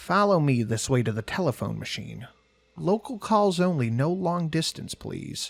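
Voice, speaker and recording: Putting on a croaky character voice with a fairly high pitch, a man talks at a moderate pace with very wide pitch swings. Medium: read story. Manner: stern like a drill sergeant.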